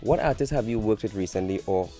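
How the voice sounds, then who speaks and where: A man interviewing a singer, asking questions in a smooth, measured, complimentary way. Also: lowish voice, warm tone, faint music behind.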